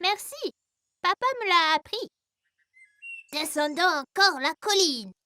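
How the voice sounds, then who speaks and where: A woman's voice: very high voice, takes it slowly, slight background noise, exaggerated voice. A woman voicing a cheerful, curious four-year-old boy in a French cartoon dub, talking eagerly. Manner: eager, excited exclamations. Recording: music bed under voice.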